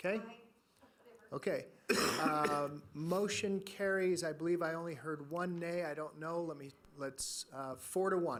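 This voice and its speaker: Amid noticeable background noise, a high-pitched man speaks fairly slowly with ordinary pitch variation and long, frequent pauses. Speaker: county board chairman. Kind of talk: public meeting proceedings.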